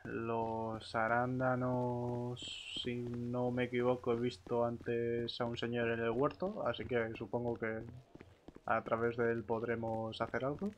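A man's voice: medium pitch, monotone, unhurried. A man with a Castilian Spanish accent chatting casually in a game roleplay, thinking aloud with hesitations. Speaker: roleplay gamer, group member. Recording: clear background noise with clicks.

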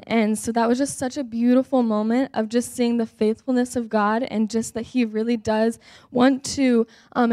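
A woman's voice: fairly high pitch, a little mellow, dry recording. A young woman giving an upbeat, earnest testimony on a church stage, with many ums, speaking into a handheld mic. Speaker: guest speaker.

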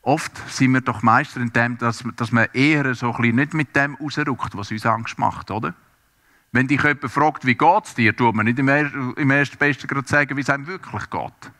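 A man delivers a sermon in a bright, forceful voice. He talks earnestly and turns straight to his listeners, as if to each one of them. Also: mid-range voice, normal speed. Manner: earnest, speaks directly to listeners. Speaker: preacher. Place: church service, also streamed to homes.

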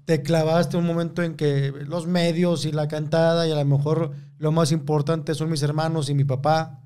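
A man's voice: fairly high pitch, little pitch movement, moderate pace, mellow, smooth. A man hosting a podcast, asking questions in a casual chat with short friendly replies. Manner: friendly prompting, short backchannels. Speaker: podcast host.

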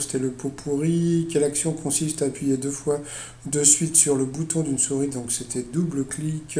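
A man's voice: mid-range voice, dark tone, roomy sound, a little hiss or hum. A man casually recapping a TV quiz show, rambling with lots of fillers and restarts and chatty asides.

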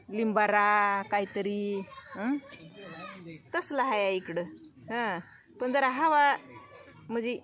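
A middle-aged woman chatting casually to her viewers in a village vlog, checking in with "hm?" and "haan?" as she talks. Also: on the high side. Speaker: village vlogger. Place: outdoors in a village.

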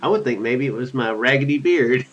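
A man's voice: medium pitch, animated, measured pace, fairly bright tone. A man in his thirties reading game text aloud and adding rambling, casual commentary as a let's play host. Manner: rambling, musing asides. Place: small room at home. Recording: dull lo-fi audio with music behind. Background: game music.

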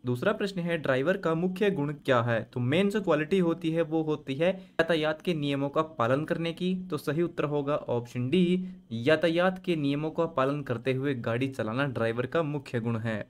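A man's voice: fairly high pitch, moderate pace, hardly any pauses. A man hosting a screen-share lesson, reading each multiple-choice question aloud and then explaining the answer step by step. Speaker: channel host and tutor. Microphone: voice-over on screen recording.

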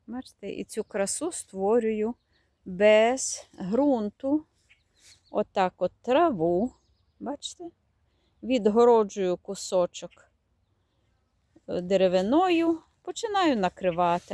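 A woman's voice: mid-range voice, a little mellow, no room sound, studio quality. A woman chatting fondly as she walks through her garden, showing plants and now and then searching for their names. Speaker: garden vlogger. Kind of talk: casual garden tour vlog. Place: outdoors in a garden.

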